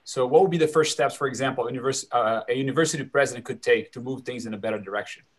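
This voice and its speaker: A man with a Brazilian accent moderates a panel Q&A in a brisk, friendly way. He talks quickly at a middle pitch. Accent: Brazilian Portuguese.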